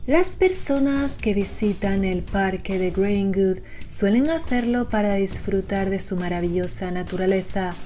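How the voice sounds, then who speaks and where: A woman narrates from a script in a mellow, rounded voice. Her pitch sits in the middle range for a woman. Soft music plays faintly underneath her narration. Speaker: narrator of horror series explainer videos.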